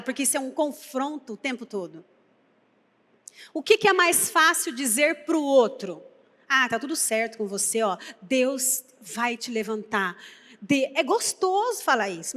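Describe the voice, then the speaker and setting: A Brazilian woman pastor delivers a sermon in a bright, high voice. She tells her stories with lively energy and slips into the voices of the people she quotes. Her voice rings out with a long reverb through the church hall. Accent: Brazilian Portuguese. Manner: lively storytelling, acts out quoted dialogue. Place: church sanctuary.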